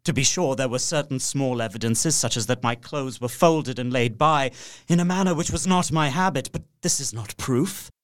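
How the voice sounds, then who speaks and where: A man's voice: mid-range voice, normal speed, no echo, clean studio sound, close to an everyday voice. An actor playing a horrified young solicitor, narrating his journal in an earnest, formal way for a radio play. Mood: shaken. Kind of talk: dramatic first-person narration, radio play.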